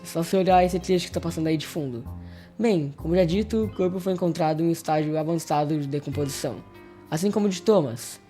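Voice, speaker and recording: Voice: medium pitch, mellow. A Brazilian host giving casual video essay commentary in an informal, conversational way, speaking directly to viewers. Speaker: host of a horror review channel.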